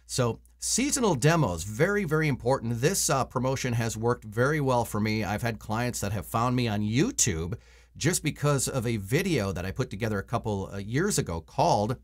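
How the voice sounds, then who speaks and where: A man in his forties speaks at a medium pitch in a conversational coaching style. He explains things casually and stresses key points by repeating them. He sounds like someone recording a tutorial at a desk in a small room at home. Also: animated, moderate pace. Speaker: voice-over coach and voice actor. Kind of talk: casual instructional vlog to camera.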